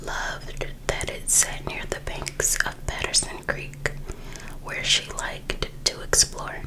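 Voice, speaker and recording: A woman softly whispering an ASMR reading as host, in a hushed, unhurried storytelling manner. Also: low-quality recording. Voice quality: soft unvoiced whisper. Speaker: ASMR host reading a true crime book.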